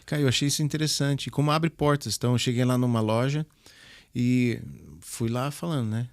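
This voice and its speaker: Man telling lively stories, dry sound. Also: medium pitch, brisk, dry recording. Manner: animated storyteller, restarts and repeats words. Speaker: church youth ministry leader, guest. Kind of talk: casual interview chat.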